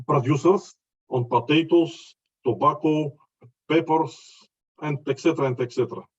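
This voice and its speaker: Halting Bulgarian-accented man presenting, slightly muffled. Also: mid-range voice. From Bulgaria, mining region near Chelopech. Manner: halting, hesitant, searching for words in non-native English. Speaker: mining company representative giving a presentation. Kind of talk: conference presentation with slides. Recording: slightly dull, lo-fi audio.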